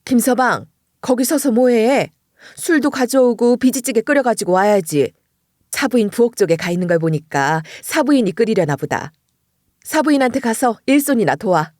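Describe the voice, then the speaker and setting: A woman's voice: a little high, normal speed, dry recording, clean studio sound, natural voice. A woman voicing a cheeky, unflappable middle-aged mother who teases with sly composure. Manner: sly, deadpan teasing.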